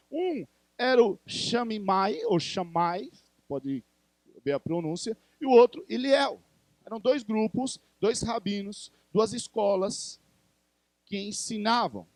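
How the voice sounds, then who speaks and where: A man's voice: sits high, a little mellow, no echo. A male pastor with a Brazilian Portuguese accent, preaching a conversational sermon in church and putting questions to the congregation.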